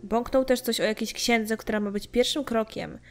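A woman's voice: fairly high pitch, fairly even intonation, normal speed. Chatty woman narrating her gameplay. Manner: chatty, mutters to herself while playing. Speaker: gameplay streamer. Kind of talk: casual let's-play commentary. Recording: game music faintly behind.

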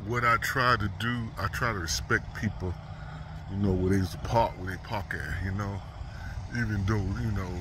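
A man in his fifties, a truck driver, talking unscripted into a phone held at arm's length as he walks a parking lot at night, rambling and repeating words. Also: on the low side. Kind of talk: unscripted walking vlog. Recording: phone audio with outdoor traffic noise.

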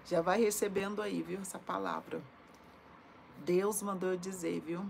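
An evangelical preacher with a Brazilian Portuguese accent livestreams a sermon from indoors at home, holding her phone in front of her. Her voice sits on the low side with fairly even intonation, an unhurried pace, vocal fry and a slightly mellow quality, and there's a little hiss or hum. She's chatty and keeps tagging her lines with little checks to her listeners.

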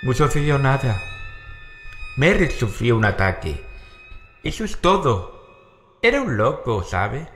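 A man acting out a dismissive male character in a horror audiobook. His speech is drawn out and swings widely in pitch, in heavy reverb over music. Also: big pitch swings, takes it slowly, long pauses. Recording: long reverb with music behind.

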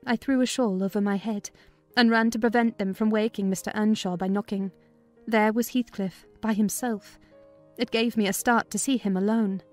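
A woman narrating a dramatized audiobook in a measured, literary storytelling manner. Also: medium pitch, steady tone, faint music behind.

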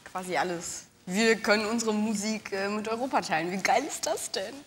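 A woman's voice: medium pitch, a little fast, slight background noise. A young woman from Ukraine who sings in a band, answering with enthusiasm as a guest on a TV talk show. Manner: enthusiastic, affirming, laughs. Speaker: lead singer guest. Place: TV studio stage.

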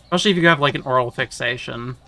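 A man streaming a game, talking casually with chat and breaking into loud playful rants. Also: mid-range voice, very fast. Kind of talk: casual live-stream chat while gaming.

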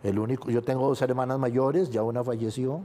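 Older Costa Rican male interviewee, mellow low timbre, candid confessional storytelling with rueful laughs. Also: steady tone, a little fast, slight background noise. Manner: confessional, laughs through painful memories. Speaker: guest, sports journalist.

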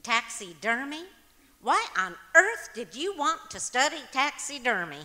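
In a reverberant hall, an actress plays a wry radio comedy wife, scolding and fond. Her voice is high and bright, with a folksy, exasperated air in 1940s style. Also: very animated, unhurried, exaggerated voice. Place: auditorium stage, live performance. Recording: reverberant auditorium stage.

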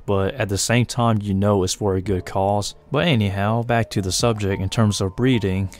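A young man from the United States, a tarantula breeder who hosts his own channel, narrates his hobby video in a deep voice with a slight Asian-tinged accent, an Asian lilt he points out himself. His commentary is relaxed, rambling and self-deprecating. The voice-over was recorded apart from the footage shown, with soft music playing faintly underneath.

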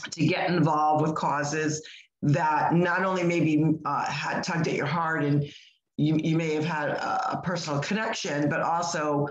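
An older woman with a hoarse voice co-hosting a live podcast, chatting in a rambling way with lots of restarts, over a video call from home. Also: low-pitched, roomy sound, rough recording. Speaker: podcast co-host. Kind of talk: casual live podcast chat.

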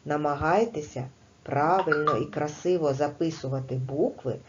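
A woman teaching a primary school class in a recorded video lesson, explaining slowly and clearly with patience. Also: low-pitched, darkish tone, muffled recording, a little hiss or hum.

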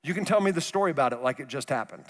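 A middle-aged male pastor preaching a sermon, conversational and animated, acting out the voices he quotes. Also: mid-range voice, racing. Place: large church hall. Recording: long hall reverb.

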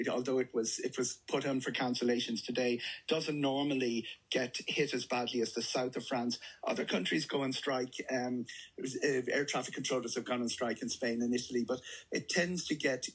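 Irish man, middle-aged, husky, medium pitch, hesitant explanatory delivery, radio studio guest. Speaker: travel journalist, studio guest. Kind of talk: explanatory news interview. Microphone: studio microphone on table stand.

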